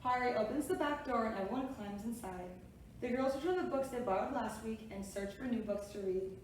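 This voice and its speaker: A woman with a kindergarten-teacher voice, a little high, brisk and a little mellow, hosts a preschool storytime, reading picture books aloud and giving young listeners simple, encouraging directions. She's away from the mic in a very echoey room, with faint noise in the recording.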